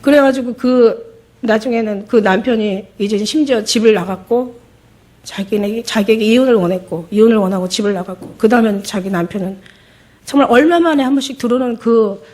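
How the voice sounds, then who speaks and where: A woman's voice: a little high, brisk, darkish tone. A middle-aged woman pastor giving an emotional testimony sermon, acting out the voices in her story.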